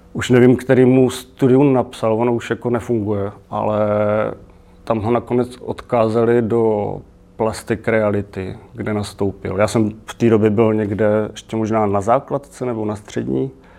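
A man speaks in a plain, everyday voice at a medium pitch. His pace is moderate and his intonation fairly even. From Czechia, rural village. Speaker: game level designer. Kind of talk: interview.

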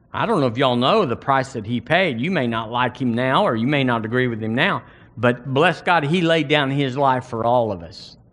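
Speaking at a moderate pace with an Alabama accent, a man uses a medium pitch with ordinary variation. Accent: Southern US (Alabama). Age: 60s. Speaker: pastor. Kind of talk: sermon. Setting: church.

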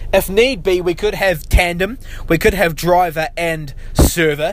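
Here a man speaks at a fairly slow pace in a high pitch. Noticeable background noise is present. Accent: New Zealand. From New Zealand. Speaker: podcast host and van driver. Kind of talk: casual chat.

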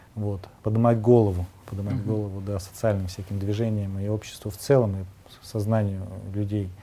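A man's fairly low, dark, mellow voice in monotone, flat intonation at a very fast pace with long, frequent pauses, plus audible room echo. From Russia, Urals (Nizhny Tagil). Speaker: managing partner of a law firm. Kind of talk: interview conversation.

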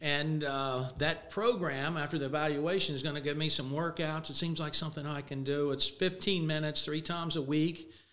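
Fairly high in pitch, a man speaks with a Southern US accent at a moderate pace. His intonation is fairly even and he hardly pauses. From South Carolina. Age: 50s. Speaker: podcast host. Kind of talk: casual monologue. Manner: relaxed, folksy.

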